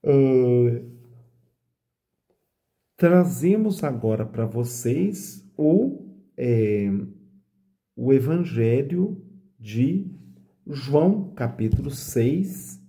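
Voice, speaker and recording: A middle-aged man from Brazil, a priest, reading scripture aloud and explaining it in a slow, reflective way, often asking "né?". He speaks into a phone camera held close in a small indoor room. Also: mid-range voice, big pitch swings, dark tone. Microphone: phone camera at close range.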